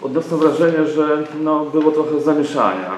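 A man's voice: a little high, fairly quick, a little hiss or hum. A man journalist asking a polite, hesitant question at a press conference. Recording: echoey room, voice from far off.

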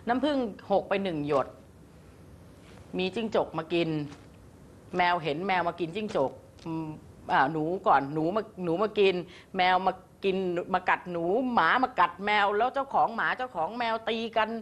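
Gently lecturing middle-aged woman teacher. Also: on the low side, moderate pace. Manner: gently lecturing, calls students "child", soft polite endings. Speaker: head teacher of a singing class. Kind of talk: classroom talk to students.

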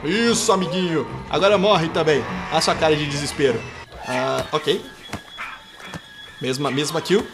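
A gameplay YouTuber with a Brazilian Portuguese accent narrates his play, teasing and trash-talking before erupting into excited shouts. His voice is a little high and unhurried, with frequent pauses, and music plays in the background.

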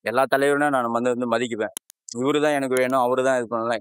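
Emphatic middle-aged man, fast. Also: mid-range voice, fairly even intonation, clear, resonant tone, no echo. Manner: emphatic, rhetorical questions. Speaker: passer-by in street interview. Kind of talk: street vox pop answers. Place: footbridge stairway outdoors. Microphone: handheld interviewer mic.

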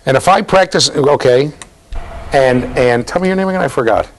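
A man's voice: medium pitch, normal speed. A middle-aged man giving an interactive university lecture, quizzing his students as he talks. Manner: questioning students, lively, gestures while talking. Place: office with bookshelves, linked to a classroom.

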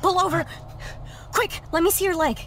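High-voiced brash young woman. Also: fairly even intonation, normal speed, fairly bright tone, slight background noise. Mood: alarmed, urgent. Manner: blunt, swearing, urgent. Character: brash, foul-mouthed, bossy young woman in a crisis. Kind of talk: naturalistic audio drama acting.

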